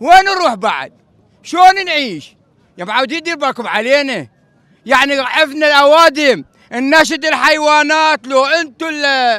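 With a raised, projected voice at extremely high pitch, a man speaks at a moderate pace in a bright, sharp tone, with ordinary pitch variation, big swings in loudness and a dry sound with no echo. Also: quiet background. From Iraq. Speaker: street interviewee. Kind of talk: street vox pop. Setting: outdoors, street. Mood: aggrieved, sarcastic complaint. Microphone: handheld.

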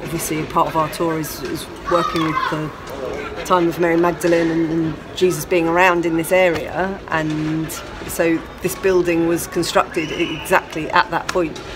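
Over crowd noise in the background, a woman with a fairly low pitch speaks at a moderate pace in a monotone, flat intonation. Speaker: spiritual vlogger. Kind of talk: casual vlog chat. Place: stadium. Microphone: phone near.

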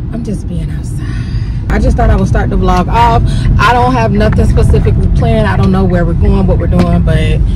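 A woman at a fairly quick pace with ordinary pitch variation, dry sound with no echo, under loud background noise. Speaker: vlogger. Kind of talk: casual vlog chat. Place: car.

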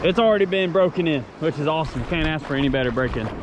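The speech moves at a fairly quick pace, with a dry sound and no echo. Noticeable background noise runs underneath. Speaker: angler vlogger. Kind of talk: casual vlog chat. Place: beach. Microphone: phone near.

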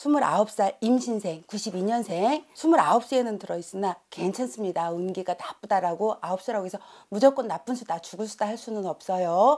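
A woman's fairly quick, lively-intoned speech with hardly any pauses. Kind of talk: fortune-telling commentary to viewers. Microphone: lapel.

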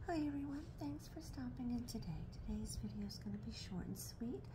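Soft-spoken, a woman talks against noticeable background noise. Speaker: ASMR creator. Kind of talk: ASMR nail filing video.

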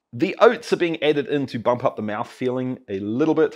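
With little else to be heard around him, a man is talking. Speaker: home distiller host. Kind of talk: tutorial. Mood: playful, joking. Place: workshop. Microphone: lapel.

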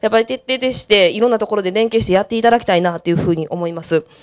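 Against a quiet background, a woman with a fairly high pitch races at a very fast pace with lively intonation. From Kyoto, Japan; Japan. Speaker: city council member. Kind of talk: committee questioning. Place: meeting room.

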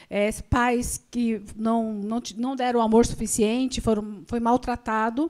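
Very slow delivery with hardly any pauses and fairly even intonation, against a quiet background. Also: woman, fairly high pitch for a woman. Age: 50s. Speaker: TV presenter and psychoanalyst; TV presenter, psychoanalyst. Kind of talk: talk show interview. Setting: TV studio. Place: studio. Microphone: handheld.

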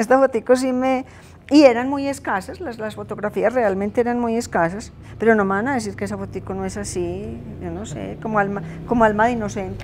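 A woman speaks at a fairly quick pace, her loudness swinging widely. Light background noise sits behind her. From Colombia, Antioquia (La Unión). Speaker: teacher. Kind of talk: interview. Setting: TV studio. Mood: warm, nostalgic. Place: home room.

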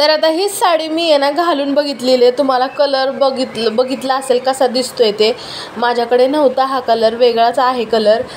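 A woman with a high pitch and ordinary pitch variation speaks over light background noise. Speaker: home vlogger. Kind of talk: casual vlog chat. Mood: cheerful, pleased. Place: home room. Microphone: phone near.

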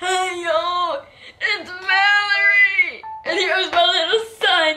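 The speaker uses a put-on character voice at a fairly slow pace. Faint music plays in the background. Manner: folksy, affectionate.

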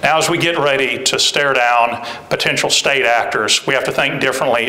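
Fairly quick, fairly even speech from a man, with audible room echo. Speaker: senior defense IT official. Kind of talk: interview. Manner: formal. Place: studio.

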